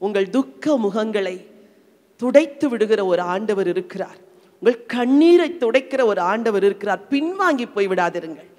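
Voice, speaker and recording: A woman's voice: medium pitch, darkish tone. A middle-aged woman from India with a Tamil accent, preaching a sermon with strong emotional swells. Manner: emotional, rising and falling in intensity. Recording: long reverberant hall.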